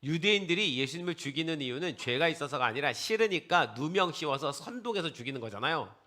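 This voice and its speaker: A man preaching a sermon in a lively, conversational way. He keeps asking the congregation questions and answering them himself. His pitch swings widely, and his voice is bright and forceful. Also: fast. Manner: conversational, mixes casual and polite speech. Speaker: pastor.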